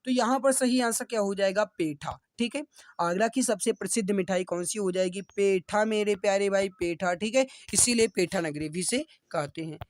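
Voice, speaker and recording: Repetitive Hindi exam-prep teacher, dry close sound. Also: male voice, high voice, moderate pace, dry recording. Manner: addresses students as dear brothers and sisters, repeats answers; rousing motivational appeals. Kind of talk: online exam-prep class.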